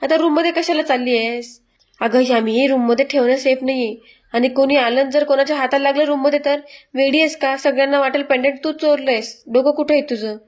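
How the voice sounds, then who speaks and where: Woman doing a bossy middle-aged aunt, scolding, scheming, high voice. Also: steady tone, fairly quick, close to an everyday voice.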